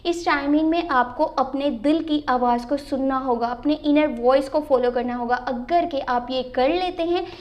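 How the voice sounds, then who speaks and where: A woman's voice: sits high, moderate pace, hardly any pauses, darkish tone. A woman with a slightly sore throat, giving a tarot reading to viewers and mixing in English phrases. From Pakistan. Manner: mixes English phrases into her talk. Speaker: tarot reader and channel host.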